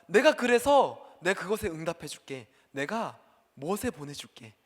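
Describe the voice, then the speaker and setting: A man voicing God answering his people in a slow, promising way. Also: high voice, very animated, exaggerated voice. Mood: assuring. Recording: long hall reverb.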